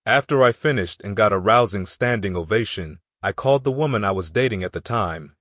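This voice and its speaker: A man's voice: lowish voice, lively intonation, fairly quick, fairly bright tone, no echo, studio quality. A man narrating a motivational audiobook in an earnest, emphatic way.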